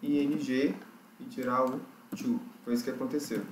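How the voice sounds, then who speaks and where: Professor paciente, sala com eco. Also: male voice, mid-range voice, fairly even intonation, normal speed, faint music behind. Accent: Brazilian Portuguese. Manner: patient, repeats and checks understanding with "certo?" and "ok?". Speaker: English teacher. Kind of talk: explaining exercises in a recorded lesson. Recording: echoey room, faint noise.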